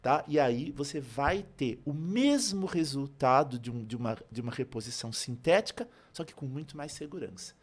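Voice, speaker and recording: A man's voice: medium pitch, expressive, normal speed, few pauses. A man with a Brazilian accent speaking as a pharmacist guest on a health podcast, explaining in a didactic way with repeated phrases and rhetorical questions. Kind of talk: animated explanatory podcast talk.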